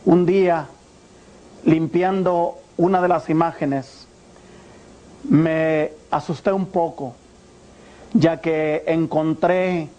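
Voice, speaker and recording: A Guatemalan man in his 40s, a former priest, gives religious testimony in a mellow, slightly high voice. His Guatemalan Spanish delivery is earnest and measured, addressing listeners like a preacher.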